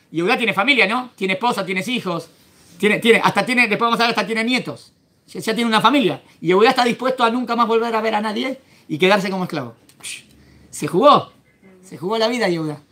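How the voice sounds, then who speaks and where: A man's voice: high voice, expressive, fast, bright, forceful tone. A man teaching a Torah class as a rabbi, quizzing his students and acting out the verses. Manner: questions the class and acts out the verses.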